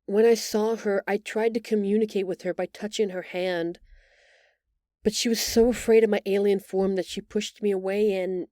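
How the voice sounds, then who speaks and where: Woman doing a gentle scared alien lady, lowish mellow voice, halting and sorry, audio roleplay. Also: dry recording, clean studio sound. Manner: halting, earnest, apologetic. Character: gentle, frightened female alien shapeshifter in true form. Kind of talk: audio roleplay acting, intimate confession.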